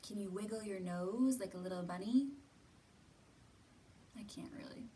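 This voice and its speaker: A woman in her thirties with a mid-range voice hosts children's storytime, gently leading young kids through a lesson with simple, encouraging questions and frequent pauses. She's in an indoor library room lined with bookshelves, picked up by a camera a few feet away, so the sound is distant and roomy with ambient noise.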